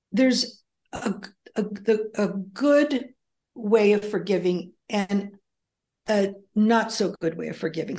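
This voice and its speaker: A woman's voice: mid-range voice, a little mellow. An older woman whose first language is Greek, talking as a guest in a casual interview, rambling with frequent ums and restarts. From United States. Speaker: author and guest.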